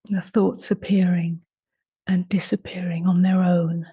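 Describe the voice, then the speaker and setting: A woman leading a guided meditation in a soft, unhurried voice that often drops to a half-whisper. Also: lowish voice, flat delivery, husky, no room sound. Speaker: meditation teacher.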